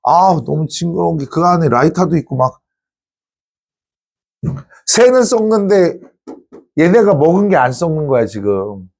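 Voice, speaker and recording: A man lectures a class in an informal, chatty way and often stops to tease his students. His voice sits a little high and moves through a wide, animated pitch range. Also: unhurried, gravelly, long pauses. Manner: chatty, teasing asides to students; lively, informal. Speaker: teacher.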